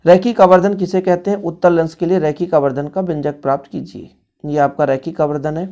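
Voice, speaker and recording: A man's voice: fairly high pitch, fairly even intonation, a little fast, mellow. A male physics teacher, going over exam revision questions in a casual, brotherly tone and talking straight to his students.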